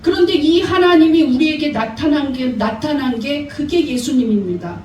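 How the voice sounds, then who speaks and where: A woman's voice: high voice, moderate pace, a little mellow, a little hiss or hum. A woman pastor preaching a sermon in a church, exhorting her congregation and asking them questions. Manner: exhorting, asks the congregation often. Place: church sanctuary. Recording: echoey church hall, mic far off.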